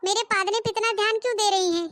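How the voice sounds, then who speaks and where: A woman's voice: very high voice, fairly even intonation, fast, a bit bright, dry recording, clean studio sound. A woman voicing a cheeky young daughter-in-law in a comic cartoon, talking back in a whiny, defiant way. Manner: whiny, defiant, sing-song pleading.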